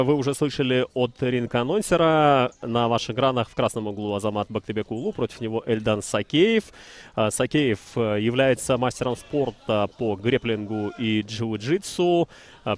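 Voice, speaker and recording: A man giving live television commentary on an MMA fight, in measured play-by-play with frequent hesitations. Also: medium pitch. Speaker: TV sports commentator.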